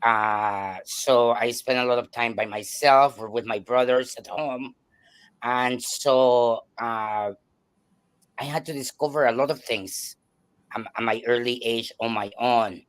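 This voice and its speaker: A man from El Salvador with a Salvadoran Spanish accent, a native Spanish speaker, telling his life story as a guest with many pauses and restarts. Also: medium pitch, fairly even intonation, smooth. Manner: hesitant, many fillers and restarts. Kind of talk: personal storytelling in a talk show.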